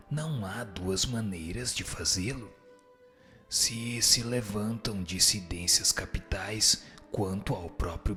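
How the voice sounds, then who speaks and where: A man acts out a wise spirit teacher in a radio drama, low in pitch and very slow. His is solemn and instructive, with a bright, forceful edge over music. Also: heavily acted. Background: music behind the voice.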